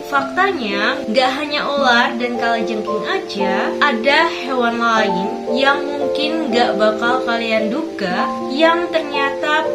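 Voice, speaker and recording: A woman with a hoarse voice from a cold hosts a chatty educational video, asking her viewers questions as she narrates facts. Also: on the high side. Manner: chatty, asks viewers questions, mixes in English phrases. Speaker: educational YouTube host. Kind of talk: scripted encyclopedia narration. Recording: echoey room with loud background music.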